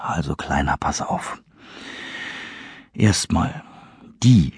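A man's voice: fairly low pitch, normal speed, a little mellow, husky, no room sound, clean studio sound, voice pushed up. A man reading an audiobook, voicing a cocky, laid-back young man who teases.

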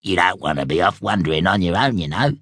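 A man's voice: sits low, lively intonation, fast, a bit bright, husky, dry recording, studio quality, pitched below the performer's own voice, heavily acted. A man voicing a small, fat, chatty male warthog who acts like a know-it-all. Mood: cautioning.

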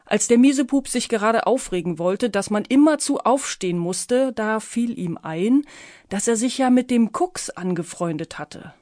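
A woman's voice: fairly high pitch, lively intonation, moderate pace, a little mellow, no room sound, studio quality. A woman narrating her own children's audiobook in a playful storytelling manner. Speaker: author and narrator.

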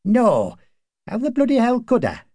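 A man's voice: very high voice, wildly swooping pitch, normal speed, warm tone, no room sound, studio quality, pitched above the performer's own voice, exaggerated voice. A man voicing an easygoing working-class male drinking pal in an audiobook, in jaunty, sweary, colloquial speech. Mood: exasperated. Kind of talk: audiobook character acting.

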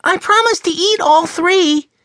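A man voicing an eager, excitable little boy in a storybook read-aloud. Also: very high voice, unhurried, dry recording, pitched above the performer's own voice, full character voice.

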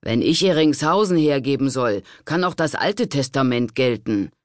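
A man's voice: medium pitch, expressive, normal speed, no echo, studio quality, natural voice. A man doing a greedy, demanding young nobleman.

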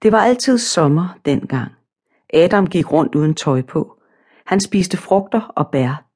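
A woman narrating a children's storybook audiobook in a calm, simple, measured way. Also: low voice, slightly rough.

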